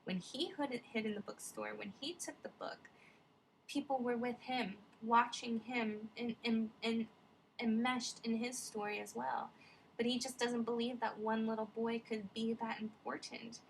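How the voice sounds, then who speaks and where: A woman voicing a gentle, wise young empress who calmly and earnestly explains, close to her own voice. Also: fairly high pitch, unhurried, vocal fry, slight background noise, rough recording. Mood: gently explaining.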